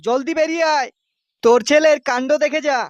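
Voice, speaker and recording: A man's voice: very high voice, fairly even intonation, brisk, dry recording, dull audio. A man voicing an angry, suspicious village husband and father in a comedy cartoon, scolding and crude. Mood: furious.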